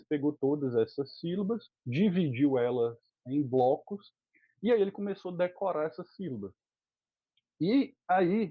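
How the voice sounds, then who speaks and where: A man's voice: a little high, dry recording. A man with a Brazilian Portuguese accent, a guest teacher explaining in an interview, earnest and critical, with many filler words. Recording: tinny phone-like dry line.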